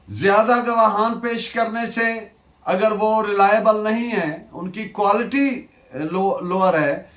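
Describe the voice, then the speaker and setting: Slow, high-voiced Pakistani man lecturing. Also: fairly bright tone. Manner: deliberate, didactic, repeats key phrases. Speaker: law lecturer. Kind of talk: lecture on legal principles, mixing Urdu and English. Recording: echoey, roomy sound.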